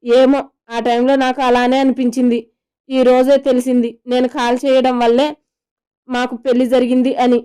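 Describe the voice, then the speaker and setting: A woman's voice: high-pitched, level tone, moderate pace, warm tone, clear, resonant tone, lightly acted. A woman voicing a remorseful, eager young husband in a romantic audio story, speaking earnestly.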